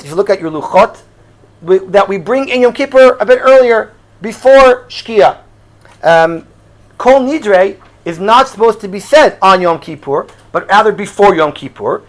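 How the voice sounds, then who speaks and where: An Israeli man who speaks Hebrew leads an informal religious class as a rabbi for a live group, with a high-sitting, animated voice at normal speed. He talks conversationally, asking questions and dropping in Hebrew and Yiddish terms. The recording is rough.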